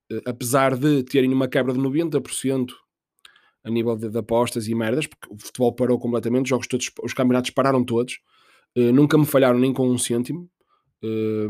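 A man with a European Portuguese accent talks through a podcast monologue, rambling and swearing as he jokes at his own expense. His voice sits at an ordinary middle pitch, and the recording is close and dry with no room sound. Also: a little mellow, no room sound. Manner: rambling, profane, jokey, self-mocking. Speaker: podcast host. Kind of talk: casual comedic monologue.

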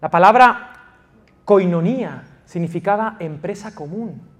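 A man from Spain preaching a passionate sermon as pastor of a church, swinging from loud emphasis to quiet intimacy. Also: sits high, measured pace. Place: church in Valencia.

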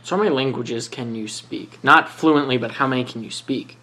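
An interviewer asking casual, curious questions and quickly following up on the answers. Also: medium pitch, bright, forceful tone.

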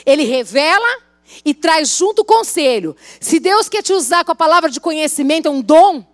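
A woman's voice: sits high, big pitch swings, moderate pace. A woman pastor preaching at a women's church service, telling a story in a chatty way and asking the congregation questions. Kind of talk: sermon.

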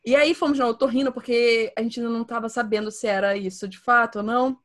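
A fast-talking woman with a fairly high voice and a Brazilian accent co-hosts a podcast. She chats casually and tells stories with lots of laughter, animated and quick to laugh.

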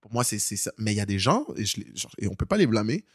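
Fast-talking Québécois young man. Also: fairly low pitch, no echo, studio quality. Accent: Québécois French. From Quebec. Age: 20s. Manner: animated storyteller, fast with many restarts. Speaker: podcast co-host. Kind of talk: casual podcast chat.

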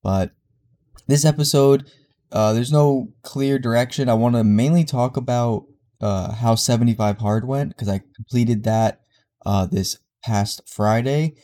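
A man's voice: mid-range voice, a little slow, mellow. A young man with a congested voice hosting a casual solo podcast, rambling with fillers and restarts. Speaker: podcast host.

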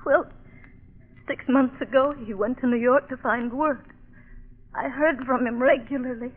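A woman's voice: high voice, unhurried, narrow, tinny audio. An actress playing an anxious, tearful young woman, faltering and melodramatic, in 1940s radio style. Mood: sad, hesitant. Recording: echoing, thin vintage radio recording.

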